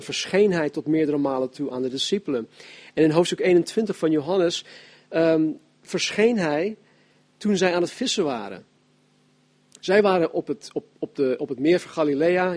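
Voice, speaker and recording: A man's voice: a little high, darkish tone. Man teaching a Bible study. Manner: reads scripture aloud, then explains with personal opinion; conversational with fillers and restarts.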